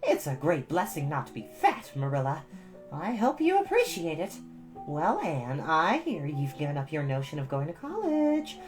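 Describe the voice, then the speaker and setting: A woman's voice: low-pitched, huge pitch swings, moderate pace, a little mellow, soft background music, voice pushed up. A woman voicing a stout, bossy older village gossip from a storybook, opinionated, emphatic and folksy. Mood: weary, opinionated. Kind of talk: storybook character voice.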